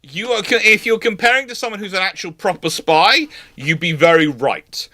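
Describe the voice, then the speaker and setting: A man's voice: high voice, normal speed, bright, forceful tone. A British man in his forties hosting a casual live question-and-answer chat, rambling and emphatic in his opinions. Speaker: live stream host.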